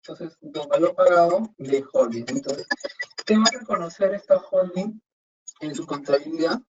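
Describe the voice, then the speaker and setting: A man's voice: a little high, expressive, normal speed. Guy teaching accounting online, explains step by step, sounds far from the mic. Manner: explanatory, thinking aloud, rhetorical questions. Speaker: accounting instructor. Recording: dull distant mic with faint hiss.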